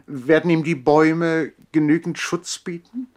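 A man's voice: on the high side, steady tone, measured pace, a little mellow, voice pushed up, natural voice. A man playing an anxious, dutiful young noble boy in a German radio play from the 1960s. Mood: worried. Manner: hesitant, worried, respectful.

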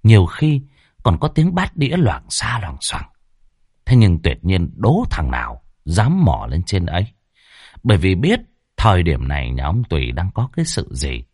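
Low-voiced, lively male ghost storyteller. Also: normal speed, husky, no room sound, clean studio sound.

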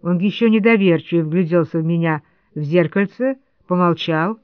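A woman's voice: fairly low pitch, moderate pace, clean tone, dry recording. A woman narrating a first-person memoir as an audiobook, in a wry, lightly ironic storytelling manner. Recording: dull lo-fi dry studio read.

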